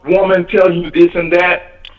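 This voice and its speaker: A man's voice: sits high, little pitch movement, normal speed, slight background noise. A male caller from Colorado, lecturing on his views and repeating his points. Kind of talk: call-in opinion. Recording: distant echoey muffled phone call.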